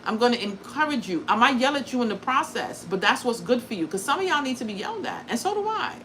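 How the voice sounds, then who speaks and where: Chatty woman on a craft livestream, kinda high voice, blunt, swears a lot, little bit of room hum behind her. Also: big pitch swings, quick pace, a bit bright, poor audio. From born in Guyana, raised in the US. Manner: blunt and profane, chatty, self-deprecating. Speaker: crafting content creator and livestream host. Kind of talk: casual livestream chat.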